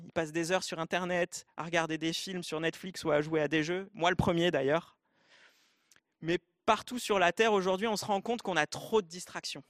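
A man with a light Arabic accent delivers a sermon in a fairly high voice. He talks earnestly, speaking straight to the congregation. The sound is dry and close, with no room echo. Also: a bit bright. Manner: earnest, direct address to the congregation. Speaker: preacher.

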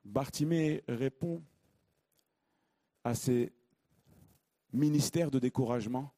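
A man preaching a sermon, reading scripture and then teaching, emphatic and repeating his key phrases as his voice swings from loud to hushed. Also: medium pitch, slow pace, dry recording.

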